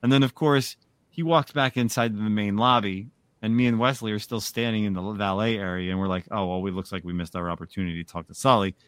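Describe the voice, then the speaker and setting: A man hosting a casual comic book podcast, his voice sitting a little low. He tells stories in an animated way. The sound is dry and close, with no room around it. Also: quick pace, clear, resonant tone, dry recording. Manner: animated storytelling. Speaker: podcast host. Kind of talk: casual chat.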